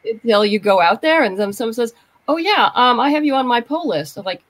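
A woman's voice: a little high, animated, a little fast. A woman speaking casually as a guest comics creator on a podcast. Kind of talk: casual chat.

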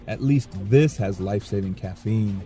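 A man's voice: fairly low pitch, normal speed, warm tone, faint music behind, close to an everyday voice. A man playing a wry, self-deprecating office coworker in an audio drama.

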